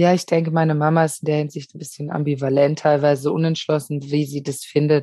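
A woman's very deep, low-pitched voice with a dark, mellow tone, monotone, flat intonation and a fairly quick pace. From Baden, southwestern Germany. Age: 30s. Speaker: Instagram creator and tattooed model. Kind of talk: casual interview.

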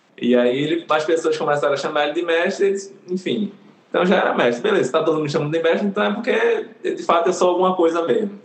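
Over noticeable background noise, a man talks at a very fast pace in a high pitch with ordinary pitch variation. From Recife, Pernambuco, Brazil. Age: 30s. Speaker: dancer and capoeira teacher. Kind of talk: casual chat.

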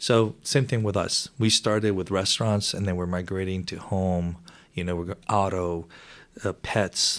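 A plain, everyday voice: a man with an American accent, fairly low pitch and fairly even intonation at a fairly quick pace, in a very clean recording with a silent background. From Gainesville, Florida. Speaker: entrepreneur. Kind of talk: interview. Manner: casual, with fillers.

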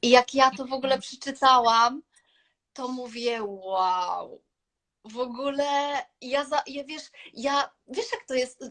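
A woman with a high pitch speaks at a very slow pace, her tone bright and sharp. Her loudness swings widely while her pitch varies in an ordinary way. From Poland, Malbork. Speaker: makeup artist. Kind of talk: casual chat on a livestream.

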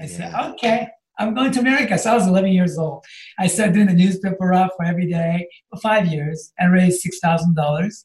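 A man with a Japanese accent talks at a fairly quick pace in a high voice. His pitch variation is ordinary. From Japan, Kyushu. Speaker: sushi chef and restaurant owner. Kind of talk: interview. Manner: animated.

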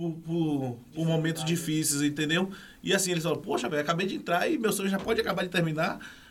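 Speech races at a very fast pace with very even loudness and ordinary pitch variation. Audible room echo and noticeable background noise surround it. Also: man, high pitch for a man. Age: 30s. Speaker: university student and activist. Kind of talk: podcast discussion.

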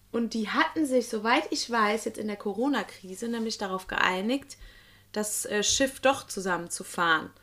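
A woman talks fairly slowly with ordinary pitch variation, recorded very cleanly against a silent background. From rural Germany, a village. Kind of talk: casual chat.

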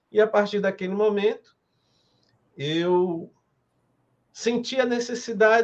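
The man's pitch is high. He talks at a fairly slow pace. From Brazil, Ceará (Fortaleza). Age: 50s. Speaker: spiritual mentor and psychoanalyst. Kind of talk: interview. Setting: studio, live stream.

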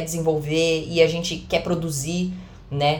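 A woman with a very deep, low, somewhat breathy voice speaks at a fairly slow pace, with audible room echo around her. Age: 30s. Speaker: podcast host. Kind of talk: monologue.

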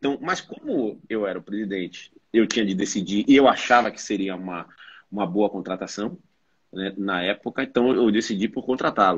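A man uses a normal speaking voice at a moderate pace, fairly low in pitch with ordinary pitch variation. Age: 40s. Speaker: former football club president. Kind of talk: interview.

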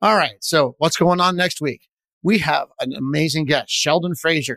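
A man speaks with an American accent. He has an ordinary speaking voice and keeps a moderate pace. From Arizona. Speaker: podcast host and band director. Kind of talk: casual interview chat.

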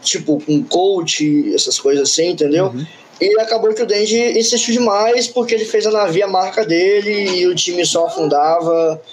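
A high-pitched man with lively intonation and very even loudness, over noticeable background noise. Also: moderate pace, hardly any pauses. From interior of Rio de Janeiro state, near Espírito Santo border. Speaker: aspiring professional esports player. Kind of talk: casual chat. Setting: live-streamed podcast.

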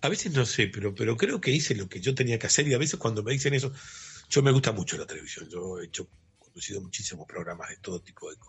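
At a very fast pace, a somewhat breathy voice moves through very wide pitch swings and big swings in loudness. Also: man, medium pitch for a man. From Uruguay. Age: 60s. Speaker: journalist and author. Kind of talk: interview.

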